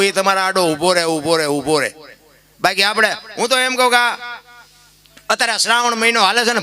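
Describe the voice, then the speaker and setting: A man giving a folk dayro sermon, preachy and story-driven, climbing to loud, impassioned peaks. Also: sits high. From Gujarat, India.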